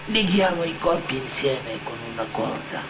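A man narrating a dramatic theatrical monologue as a stage actor, solemn and emphatic, with long pauses. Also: expressive. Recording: loud hum and rumbling background noise.

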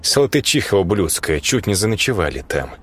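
A man's voice: low voice, sing-song, brisk, a little hiss or hum. A man voicing a blunt, foul-mouthed middle-aged male teacher who lectures and swears. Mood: gruff. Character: gruff crude male schoolteacher, middle-aged.

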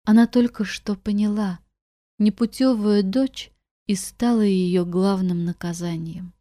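A woman narrating a fairy-tale audiobook in a calm, measured manner, recorded close to a studio microphone. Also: mid-range voice, no room sound. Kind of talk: storybook narration.

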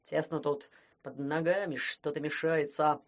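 A man's voice: fairly high pitch, a little slow, fairly bright tone. A man voicing a greedy, cowardly immortal sorcerer who grumbles and threatens. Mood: grumbling. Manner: grumbling, menacing.

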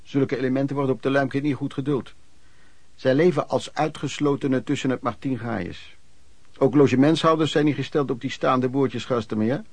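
A man's voice: mid-range voice, steady tone, brisk, breathy edge, no echo. Dry-sounding male storyteller. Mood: wry. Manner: colloquial, matter-of-fact storytelling. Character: plain-spoken male pedlar recounting his wanderings, wry. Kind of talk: dramatised first-person narration.

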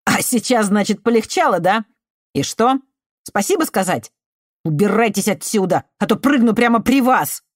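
A woman reading an audiobook voices a desperate young man who answers with bitter sarcasm and often breaks into shouting. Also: sits low, animated, moderate pace, dry recording, studio quality.

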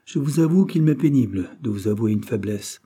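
A man's voice: mid-range voice, animated, fairly quick, mellow, slightly rough. A man voicing a young noble woman, a passionate gypsy queen, in an audiobook reading, with a raised, confiding manner. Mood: confessing. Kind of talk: audiobook character voice.

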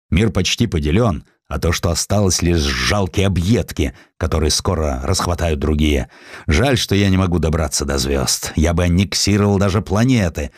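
A man voicing a gruff, arrogant middle-aged British magnate in a storybook reading, gloomy, blunt and grandiose. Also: low voice, no echo, clean studio sound.

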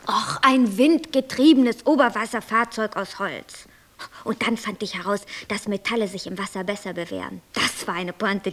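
An actress playing a capricious, self-absorbed white angel who creates worlds, airy, flippant and lecturing, in a German radio play. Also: female voice, on the high side.

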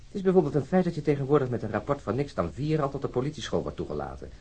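A man playing a wry, reflective, argumentative police colleague in a crime radio drama, with a husky voice. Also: mid-range voice, big pitch swings, rapid-fire, a little mellow.

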